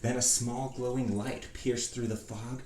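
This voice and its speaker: Slow-paced man reading in an echoey room. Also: mid-range voice, flat delivery, a little mellow. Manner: measured, theatrical phrasing with pauses. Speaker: storybook reader. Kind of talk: dramatic reading of a rhyming storybook. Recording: echoey room, faint background noise.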